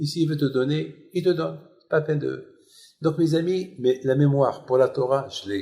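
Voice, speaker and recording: A man talks at a moderate pace, his voice somewhat breathy and fairly high. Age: 70s. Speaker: rabbi. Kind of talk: sermon. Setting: live video stream. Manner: animated.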